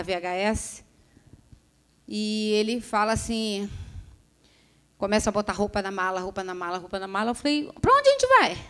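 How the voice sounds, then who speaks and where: A woman's voice: medium pitch, clean tone. A middle-aged woman, giving a religious testimony to an audience and telling her story vividly with acted-out dialogue. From Rio de Janeiro, Brazil. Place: restaurant event hall.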